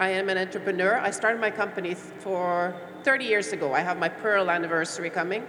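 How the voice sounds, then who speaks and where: A woman talks at a very fast pace amid noticeable background noise and audible room echo. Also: medium pitch for a woman, ordinary pitch variation. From Norway. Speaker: entrepreneur. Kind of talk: panel discussion. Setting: stage with audience.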